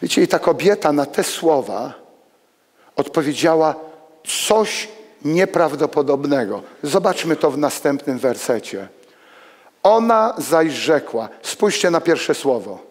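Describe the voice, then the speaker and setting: An older man preaching in a church hall, his voice pitched high for a man and ringing with a long reverb. He moves among the pews as he talks, rising to loud exclamations and then dropping to hushed asides. He wears a headset mic. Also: very animated, measured pace. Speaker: pastor. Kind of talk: sermon.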